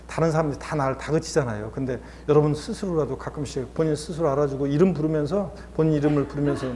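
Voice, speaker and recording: A male instructor gives a lecture in a chatty, encouraging manner, often pausing to reassure his students. His voice sits a little high for a man but sounds mellow and warm. A faint hiss of noise sits behind him.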